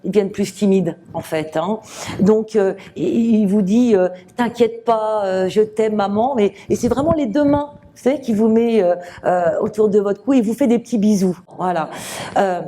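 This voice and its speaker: Soft-spoken woman medium, halting speech. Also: mid-range voice. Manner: hesitant, many fillers and restarts; gentle, reassuring address to the sitter. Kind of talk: live medium reading to an audience.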